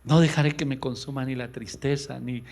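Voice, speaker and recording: A male pastor preaches with fervor, his gravelly voice jumping to loud, raised lines and then sinking to a hush. His voice sits at an ordinary middle pitch, and he acts out quoted speakers by raising it. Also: fairly even intonation, fairly quick. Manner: impassioned preaching with sudden loud rises and hushed drops. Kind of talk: radio sermon.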